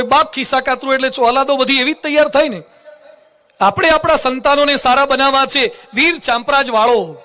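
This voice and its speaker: Male preacher, very high and bright voice, playful teasing discourse to a live hall audience. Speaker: monk preacher. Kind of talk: humorous Gujarati religious discourse.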